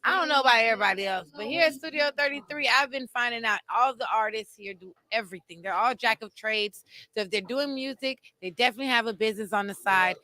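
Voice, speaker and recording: A woman's voice: a little high, fast, pushed and bright. A woman hosting live interviews at a showcase event, talking in a hyped, informal, slangy way. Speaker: interviewer and host. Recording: music behind the voice. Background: music at a live showcase.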